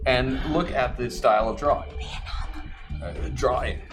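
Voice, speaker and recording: A man of medium pitch plays a tabletop game. He talks casually, slipping partly into character. Music is clearly audible behind him. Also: steady tone, a little slow.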